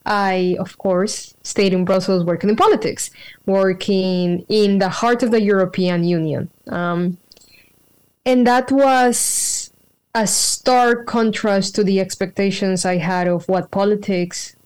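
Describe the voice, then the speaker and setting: Lady in her 30s, medium voice, talks it thru slow with lots of ums, video call. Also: mid-range voice, a little mellow, clean tone. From Colombia. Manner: thoughtful, earnest, pauses with fillers. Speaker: guest, spiritual practitioner. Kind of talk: casual interview storytelling. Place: home room with a cat.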